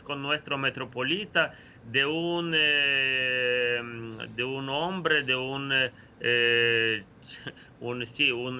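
A man in his forties from Ukraine, a parish priest with a Ukrainian accent, speaks a learned second language slowly and with frequent pauses. His tone is bright and forceful, set a little high. The sound is muffled and lo-fi, with faint noise behind it. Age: 40s. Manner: slow, halting, many pauses and fillers. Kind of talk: remote interview answers.

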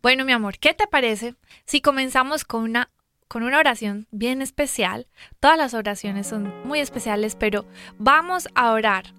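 A woman speaks as co-host of a casual religious radio program. Her voice is bright and forward, pitched a little high. Music plays faintly behind her. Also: normal speed.

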